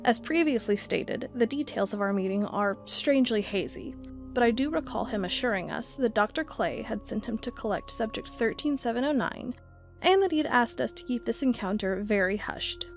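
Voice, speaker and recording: A woman's voice: on the high side, expressive, normal speed, faint music behind. A woman playing an investigator narrating a strange case in a scripted audio drama. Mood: measured, formal. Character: female investigator narrating a strange case, reading aloud reports.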